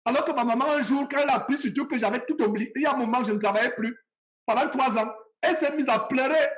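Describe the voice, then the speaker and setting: A man's voice: extremely high pitch, quick pace, a bit bright. Impassioned preacher man. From Cameroon. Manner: impassioned, repetitive, speaks straight to the listeners. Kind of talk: sermon.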